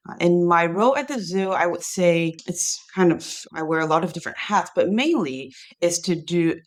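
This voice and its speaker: Measured woman from Taiwan. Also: lowish voice, animated. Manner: measured, with occasional "um" and "kind of". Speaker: guest, zoo research curator. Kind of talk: interview self-introduction.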